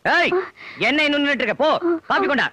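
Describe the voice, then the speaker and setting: A man's voice: very high-pitched, animated, fast, dry recording, exaggerated voice. An actor playing a young office clerk who fawns over his boss and barks orders at his wife, in a 1980s film comedy with a Tamil Nadu accent. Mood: bossy. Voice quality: shouty and domineering toward his wife, sugary toward his boss.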